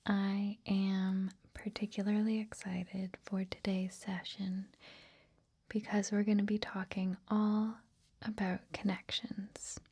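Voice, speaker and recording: A woman whispering softly in a gentle, reassuring ASMR style, as if hosting a guided meditation. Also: medium pitch, little pitch movement. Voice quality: breathy, whispered, soft. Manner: gentle, slow, hushed, reassuring. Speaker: host of a guided meditation series.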